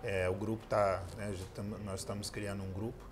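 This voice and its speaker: This guest, an entrepreneur and speaker in his thirties with a Brazilian Portuguese accent, tells his answers in an earnest, story-driven way. He speaks briskly in a fairly low, level voice, with background noise present on the pink indoor studio set.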